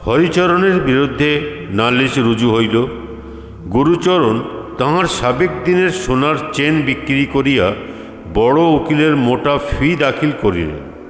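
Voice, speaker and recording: Slow male storyteller in reverberant sound. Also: mid-range voice, expressive, a little hiss or hum. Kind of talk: scripted literary story narration. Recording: echoey reverberant room, music behind.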